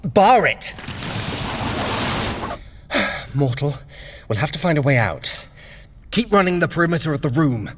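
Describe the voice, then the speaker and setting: Vain scheming god, sardonic, theatrical, animated higher-set voice, audio drama. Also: male voice, a little slow, pauses often, slightly rough, exaggerated voice. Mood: urgent, exasperated. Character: sly, vain trickster god, male, scheming and exasperated. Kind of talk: dramatic audio fiction acting.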